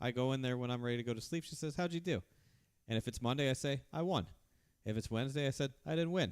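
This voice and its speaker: Speaking very fast in an animated tone, the man has a medium pitch and ordinary pitch variation. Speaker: sim racing streamer. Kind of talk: live stream commentary. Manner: loud.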